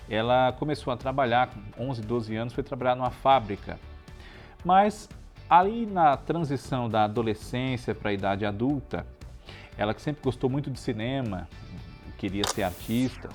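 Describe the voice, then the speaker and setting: A man with a Brazilian Portuguese accent hosting a tribute show, talking conversationally to viewers and often adding chatty tag questions. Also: mid-range voice. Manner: chatty, frequent tag questions seeking agreement. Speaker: show host.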